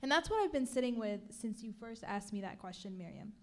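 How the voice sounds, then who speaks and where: A woman's voice: a little high, expressive. Earnest woman speaking on a panel. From Palestinian. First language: Arabic. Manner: earnest, measured, with frequent fillers. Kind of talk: prepared panel talk.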